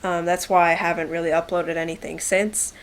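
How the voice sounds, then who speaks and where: Talking a little fast in a low, level voice, a young beauty vlogger addresses the camera casually. She's shy and quiet by temperament, sounds nasal from a head cold, and fills her rambling chat with ums and likes.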